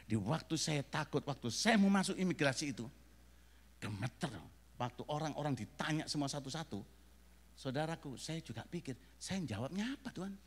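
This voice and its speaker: A man from Indonesia preaching a sermon as pastor, animated and joking, with shouted amens. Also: fairly high pitch, normal speed. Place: church sanctuary. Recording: reverberant church hall.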